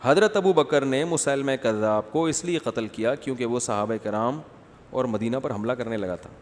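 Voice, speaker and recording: A man's voice: mid-range voice, a little hiss or hum. A man giving a humorous religious talk, telling stories with comic impressions and answering questions read out from the audience. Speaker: Islamic scholar answering questions. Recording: long hall reverb.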